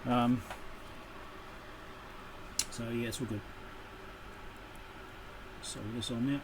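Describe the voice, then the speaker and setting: A man's voice: medium pitch, steady tone, slow pace, background noise. A man giving an off-the-cuff, casual running commentary as he does hands-on work, with muttered asides. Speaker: electronics repair channel host. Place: indoor electronics workbench.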